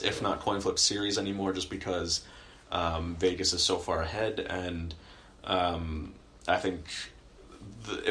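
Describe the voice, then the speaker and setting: A man's voice: deep voice, fairly bright tone. A young man co-hosting a sports podcast, talking casually and rambling with many fillers and restarts. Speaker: podcast co-host.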